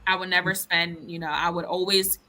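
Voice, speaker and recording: A woman's voice: on the low side, level tone, brisk, bright, forceful tone. A woman from the United States talking frankly and emphatically in a casual discussion, often restarting her sentences.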